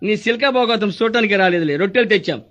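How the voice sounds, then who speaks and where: A man performing a comic hospital sketch, bossy and mocking in rapid back-and-forth banter. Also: sits high, a bit bright, dull audio. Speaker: comic actor playing a corrupt hospital doctor.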